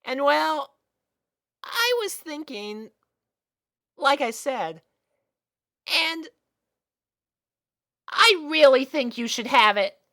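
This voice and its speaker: A woman voicing a shy, lovestruck young girl pony in a nervous, halting storybook reading. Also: high voice, big pitch swings, a bit bright, voice pushed up, full character voice. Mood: nervous, sweet.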